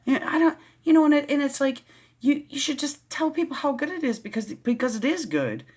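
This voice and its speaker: A woman's voice: high-pitched, animated, brisk, darkish tone. A woman reading aloud from a Christian book and breaking off into rambling, easily riled commentary with many restarts.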